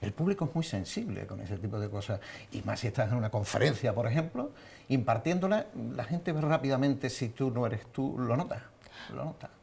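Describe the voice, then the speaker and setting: Fast, husky Andalusian man. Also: mid-range voice. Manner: animated, talkative storyteller. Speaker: professional voice-over artist, studio guest. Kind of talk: talk show interview. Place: TV studio. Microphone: lapel mic.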